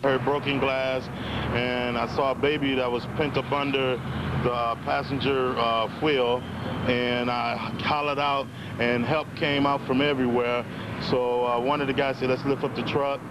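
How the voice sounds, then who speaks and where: An American man giving a halting, plain-spoken eyewitness account in a television news interview outdoors. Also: medium pitch, little pitch movement, dull audio, background noise.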